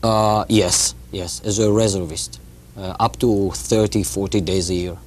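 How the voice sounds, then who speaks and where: A man in his forties raised in Israel, an author and journalist, answering interview questions haltingly and often repeating words, recorded in a television studio on a lapel mic. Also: lowish voice, steady tone, slight background noise.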